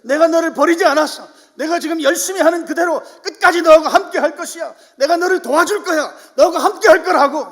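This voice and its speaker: Brief: a male preacher acting out God as a tender father, high voice, fervent and old-fashioned, long hall echo. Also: fast, hardly any pauses, a bit bright. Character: tender fatherly God comforting a despairing prophet.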